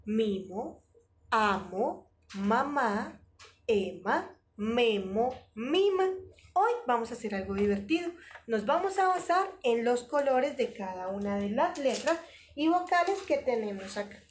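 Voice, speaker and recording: Sing-song woman, lively preschool teacher. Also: a little high, unhurried, slight background noise. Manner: sing-song, exaggerated, encouraging. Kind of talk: online preschool lesson.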